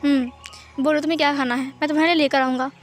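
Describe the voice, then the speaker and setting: A woman's voice: high voice, fairly even intonation, rapid-fire, soft background music, natural voice. A woman doing a firm, caring young husband. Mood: insistent. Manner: firm, insistent questioning.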